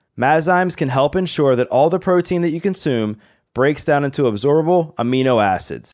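An ordinary speaking voice, a man with a fairly high pitch talks at a fairly quick pace with lively intonation on a very clean recording with a silent background. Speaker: podcast host, personal trainer, author. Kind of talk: interview hosting, intro.

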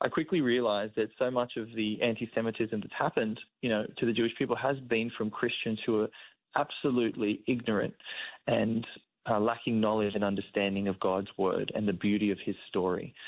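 A man's medium-pitched voice with an Australian accent, fairly quick pace, very even loudness and fairly even intonation. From Australia, Sydney. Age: 40s. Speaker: actor. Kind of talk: interview.

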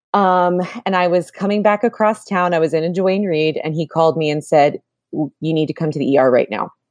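A normal speaking voice from a woman with an American accent, fairly low in pitch, at a fairly quick pace with ordinary pitch variation. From Florida. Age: 30s. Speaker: filmmaker and cancer survivor. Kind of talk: casual interview, personal story.

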